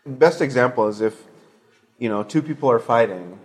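A man's voice: mid-range voice, lively intonation, fairly quick, poor audio. Talkative man from the Bay Area. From California, Bay Area. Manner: talkative and open. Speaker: guest. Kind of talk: conversational interview.

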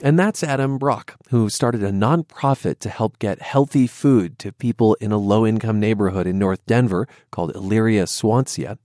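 A man reporting and narrating a radio news feature in a measured, scripted delivery. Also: lowish voice, no room sound, clean studio sound. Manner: measured, lively intonation. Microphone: studio microphone.

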